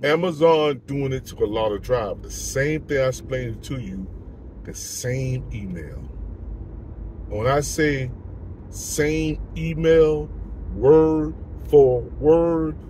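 A man's voice: medium pitch, takes it slowly, dark tone, slight background noise. Frustrated middle-aged man ranting in his car. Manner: frustrated, ranting, repeats himself. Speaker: truck driver vlogger. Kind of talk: casual vlog talk to camera. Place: inside a parked car by day. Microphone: phone camera held close.

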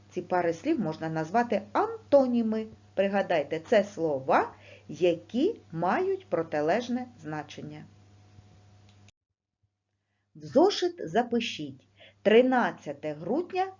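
A woman teaching a primary school lesson, speaking slowly and clearly with questions to the class. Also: mid-range voice. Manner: slow, clear teacher's delivery with lively rising questions. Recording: dull lo-fi recording.

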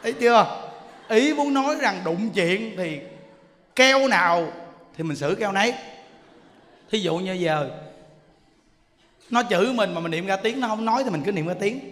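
A Buddhist monk, giving a sermon as a lively storyteller who often asks his listeners "see?". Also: high-pitched, a little slow, long pauses, long reverb tail. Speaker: Buddhist monk teaching dharma. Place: temple hall.

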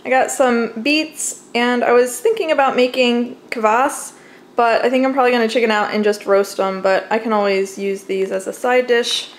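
In her kitchen, a young American woman shows her groceries in a chatty, casual home vlog, speaking at normal speed with a steady tone on the high side. The camera-mic audio is clearly noisy.

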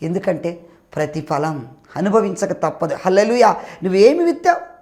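A man's voice: high-pitched, very animated, normal speed, darkish tone. A male pastor preaching a sermon with fervent, rising appeals to his listeners.

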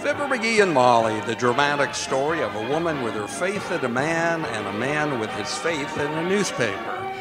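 A man announcing an old-time radio show from a script in a mock-dramatic manner. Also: medium pitch. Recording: auditorium, loud music behind.

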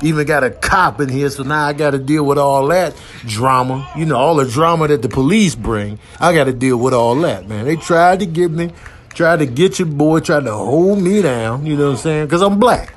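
A man's voice: fairly high pitch, normal speed, close to an everyday voice. A man voicing an indignant, cocky black bull in a comedic animal voiceover, boastful and slangy. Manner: aggrieved, boastful, slangy street talk.

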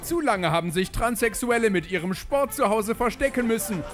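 A man reads a scripted comedy segment like a straight-faced announcer. His voice is high. Bright music plays beneath him. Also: expressive, normal speed. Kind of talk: scripted comic voice-over.

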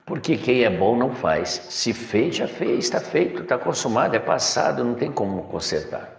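A middle-aged spiritual teacher with a gravelly, mid-range voice and big pitch swings lectures at a moderate pace from a chair in a decorated room. He is preachy and calls listeners "my son"; a distant camera captures him in an echoey room with long reverb.

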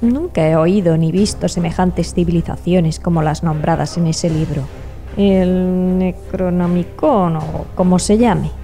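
A woman's voice: on the low side, unhurried, dark tone, faint music behind. A woman playing a skeptical, impatient archaeologist in a horror audio drama.

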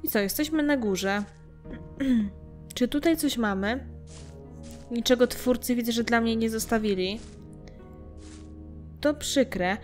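A woman's voice: a little high, takes it slowly, long pauses. A young adult woman giving casual let's-play commentary, chatting and muttering to herself as she plays. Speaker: gameplay streamer. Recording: game music faintly behind.

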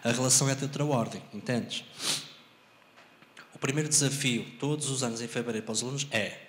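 A man's voice: mid-range voice, fairly even intonation, fast talker, fairly bright tone, a little hiss or hum. A man in his thirties with a European Portuguese accent, a math teacher giving an expansive answer on a handheld mic in a university auditorium. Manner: expansive, explanatory, asks if understood. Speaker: invited speaker, math teacher. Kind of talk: lecture answer to audience. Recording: roomy auditorium sound.

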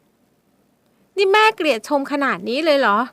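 A woman's voice: expressive, slow pace, a bit bright, no room sound, heavily acted. A woman voicing a frightened young woman who pleads with her mother in a shaky voice. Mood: tearful. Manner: high-pitched, pleading, shaky.

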